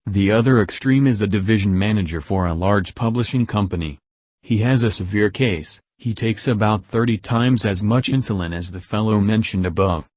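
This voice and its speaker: A man with a fairly low voice reads a self-help book aloud, keeping a steady, measured pace. The sound is dry and close, with almost no room around it. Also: no room sound. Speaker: audiobook narrator.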